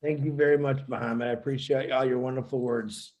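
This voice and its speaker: A man's voice: mid-range voice, steady tone, fairly quick. A man hosting an online video call, calling on speakers and encouraging them. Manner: warm, encouraging, calls on speakers. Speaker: host. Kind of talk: moderating an online panel.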